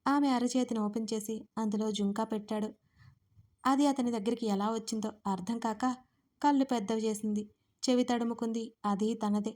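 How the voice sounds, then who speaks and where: A woman with a Telugu accent narrating a romance audio story in a steady, expressive way. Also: a little high, moderate pace. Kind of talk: scripted narration.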